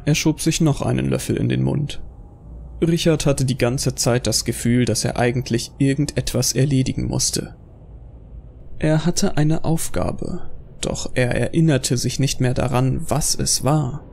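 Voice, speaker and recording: A man's voice: mid-range voice, a little slow, creaky, a little mellow, a little hiss or hum. A man reading scripted narration for an audio drama.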